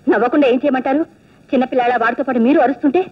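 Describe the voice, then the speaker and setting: A talkative, chiding aunt from an old film, who confides and scolds in a high, bright voice. She is matter-of-fact and quick to lecture. The sound is dull and lo-fi, as on a worn film soundtrack. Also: fairly even intonation, slightly rough. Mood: scolding. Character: chatty scolding middle-aged aunt. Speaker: aunt of the heroine. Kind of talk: 1980s Telugu film dialogue.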